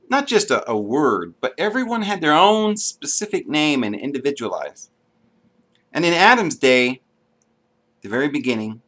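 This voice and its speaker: A man's voice: medium pitch, fairly bright tone. A man giving an unscripted, earnest monologue to camera, with frequent ums and restarts. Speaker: video blogger.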